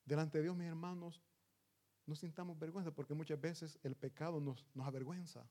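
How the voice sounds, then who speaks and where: A man delivers a sermon in an earnest, emphatic way, calling his listeners brothers. His voice sits somewhat higher than most men's. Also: fairly even intonation, fairly quick, warm tone. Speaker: preacher.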